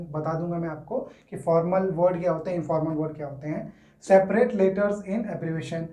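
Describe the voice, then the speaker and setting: A man's voice: high-pitched, warm tone. A man teaching English grammar in a casual, repetitive way, often stopping to check that listeners follow. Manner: repetitive, checks in with "theek hai". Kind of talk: casual Hindi-English classroom explanation. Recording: roomy echo.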